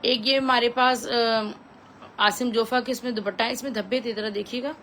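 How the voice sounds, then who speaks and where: A woman with a Pakistani accent giving a chatty, repetitive live sales pitch as a clothing seller, mixing in English phrases. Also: steady tone, normal speed, a bit bright, slight background noise.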